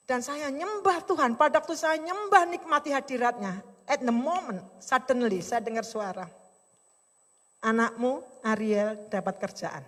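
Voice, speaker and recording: A high-pitched, middle-aged woman preaches with emphatic, heartfelt conviction. Her voice rings out in a large hall, with a long reverb trailing each phrase. She sounds like a pastor leading a worship service. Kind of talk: sermon.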